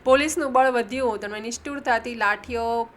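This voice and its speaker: Bright-voiced woman reading an audiobook. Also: fairly high pitch, fairly quick, a little hiss or hum. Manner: reads dialogue with raised emphasis, corrects own slips. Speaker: audiobook narrator.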